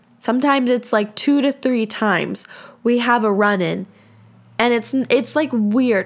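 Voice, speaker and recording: Animated in tone, a woman with a Californian accent speaks at a moderate pace, her pitch fairly high with ordinary variation. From California, San Diego. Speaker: podcast host. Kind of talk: casual monologue. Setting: lying in bed at home.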